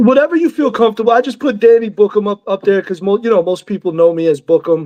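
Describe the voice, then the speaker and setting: A man's very fast, high-pitched speech with a New Jersey accent, lively intonation and a dark, mellow tone, dry and close with no echo. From New Jersey, Bayonne. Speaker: law enforcement officer and rapper. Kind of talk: interview. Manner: hesitant with many fillers.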